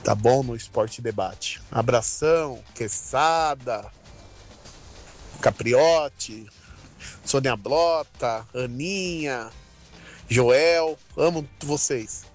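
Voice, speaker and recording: A Brazilian man from São Paulo leaves a voice message for a radio show, grateful and sincere. He speaks slowly and deliberately. Faint music plays under his voice. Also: medium pitch. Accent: Brazilian Portuguese. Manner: heartfelt, grateful. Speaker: listener sending a voice message.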